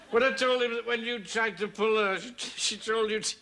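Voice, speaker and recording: A man's voice: high voice, background noise. An actor playing a mocking, boozy black-sheep brother who works as a commercial traveller. He is cheeky and taunting and laughs at his own jokes. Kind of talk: 1970s TV sitcom acting.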